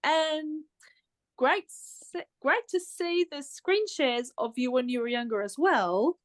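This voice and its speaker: High-voiced woman in casual chat. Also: slow, no echo. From Australia. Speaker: fan panelist.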